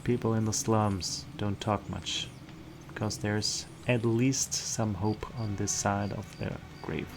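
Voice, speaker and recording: A man's voice: on the low side, fairly even intonation, slow, noisy background. A man reading the part of a cynical, world-weary guardsman in a visual novel. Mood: weary, matter-of-fact. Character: gruff, cynical male slum guardsman reporting a murder.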